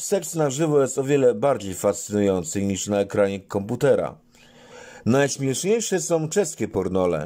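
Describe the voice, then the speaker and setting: With a Polish accent, a man speaks very slowly at medium pitch in a dark, mellow tone. His pitch swings very widely on a very clean recording with a silent background. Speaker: stand-up comedian. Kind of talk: stand-up comedy.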